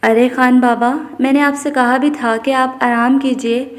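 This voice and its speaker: A woman voicing a devoted young husband who speaks softly and tenderly, coaxing and teasing. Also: high-pitched, level tone, long reverb tail, close to an everyday voice. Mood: warm.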